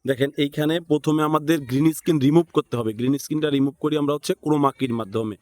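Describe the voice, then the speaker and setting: A man's voice: a little high, fairly even intonation, quick pace, a little mellow, no room sound. A man with a Bangladeshi accent teaching an informal step-by-step screen tutorial, thinking aloud and checking in with listeners. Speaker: tutorial instructor.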